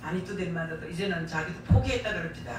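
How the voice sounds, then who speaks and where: A woman's voice: fairly low pitch, fast talker, noisy background. A middle-aged woman with a Gyeongsang Korean accent preaching a sermon, emphatic and folksy, repeating key phrases for weight. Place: church sanctuary. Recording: echoey church hall, distant mic.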